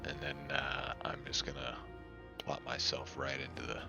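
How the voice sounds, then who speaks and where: Extremely deep, gravelly-voiced man. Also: level tone, normal speed, over music. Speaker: player in a tabletop game. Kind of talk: casual game chat.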